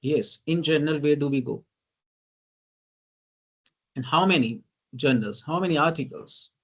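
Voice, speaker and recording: Speaking at a measured pace in a fairly high voice, a guest lecturer with an Indian English accent gives an online class. He fires off lists of terms in emphatic bursts, checks in constantly with "right?" and often addresses "ladies and gentlemen."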